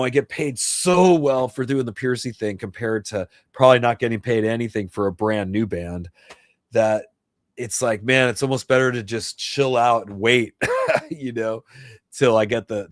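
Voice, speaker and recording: A man's voice: lowish voice, no room sound, studio quality. A man in his fifties from New Jersey, chatting casually and rambling with viewers on his livestream, chuckling now and then. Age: 50s. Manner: rambling, laid-back, chuckles often. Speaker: livestream host and guitarist.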